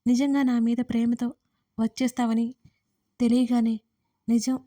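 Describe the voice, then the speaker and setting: A woman voicing a tender, teasing young man in love, who speaks softly and calmly. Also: on the high side, moderate pace, dry recording, natural voice.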